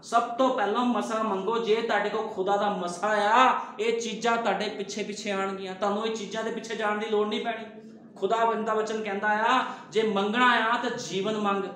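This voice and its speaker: A man's voice: sits high, level tone, moderate pace, pushed and bright. A pastor, a man, preaching a sermon full of rhetorical questions. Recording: very echoey room.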